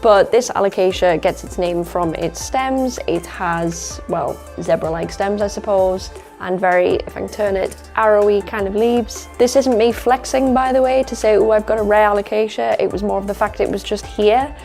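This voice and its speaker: A plant vlogger at home chats to her viewers about her plants in a rambling, self-correcting way, even though she's losing her voice. Her mid-range voice is creaky and a little mellow, with fairly even intonation, a moderate pace and few pauses. Faint music plays behind her.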